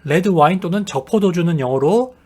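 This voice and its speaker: A teacher narrates a travel English lesson in a patient, repetitive way. The voice sits at an ordinary middle pitch and asks the viewer questions as it goes. Each English example sentence is read out slowly and with care. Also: animated, a little mellow.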